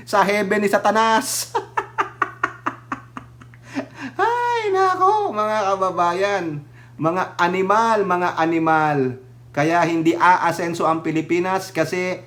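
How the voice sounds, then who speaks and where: A man's voice: fairly high pitch, a bit bright. A man giving casual political commentary on his vlog, sarcastic and mocking, laughing often and talking straight to his viewers. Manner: addresses viewers directly. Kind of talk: casual commentary reading and reacting to news.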